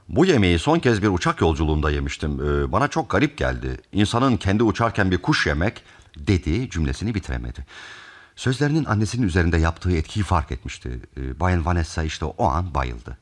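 An actor playing a calm, methodical detective who explains a case deliberately in a radio theatre mystery. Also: male voice, low-pitched. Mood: patient, explaining.

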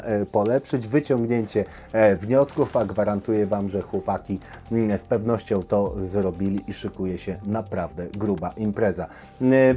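A man hosting an informal news commentary, speaking directly to viewers in halting, opinionated phrases with pauses. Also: fairly low pitch, dark tone. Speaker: host of a camping news show.

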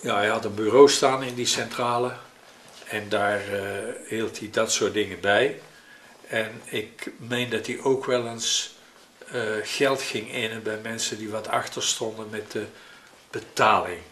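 An elderly man, recalling memories in a hesitant, pausing, conversational way. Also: lowish voice, fairly even intonation, fairly bright tone. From Netherlands. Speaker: interviewee recalling his childhood. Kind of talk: spoken reminiscence in an interview. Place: living room at home, indoors. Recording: roomy echo with faint noise.

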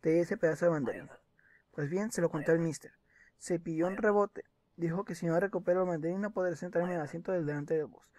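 A man's voice: fairly high pitch, fast, a little mellow, dry recording, natural voice. A man reading out the lines of an eager adult male sports fan in a video game, chatty and pleading.

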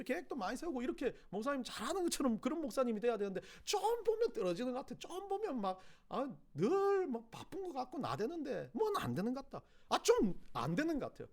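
A middle-aged man with a Gyeongsang Korean accent preaches a sermon. His voice sits high and leaps all over, rising to loud emphatic cries and dropping to hushed low asides. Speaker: pastor.

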